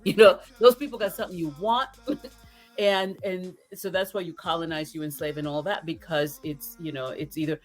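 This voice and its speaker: A woman from the Dominican Republic whose first language is Spanish, talking as a podcast guest in an animated, earnest way and laughing often. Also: lowish voice, moderate pace, faint music behind. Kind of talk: casual interview conversation.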